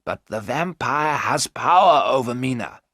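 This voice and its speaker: A man playing an older professor in a storybook, firm and measured as he lays out his plans. His pitch sits a touch above the narrator's own and moves lively. The sound is dry and close. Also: no room sound.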